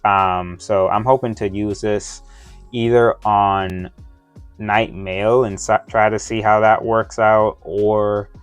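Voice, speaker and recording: Male unboxing reviewer, lowish clear voice, lightly lisping from retainers, hesitant and meandering casual chat. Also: level tone, dry recording, faint music behind. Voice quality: slight lisp from wearing dental retainers. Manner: halting, rambling, often losing his thread. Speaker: toy review vlogger. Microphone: close microphone within his reach.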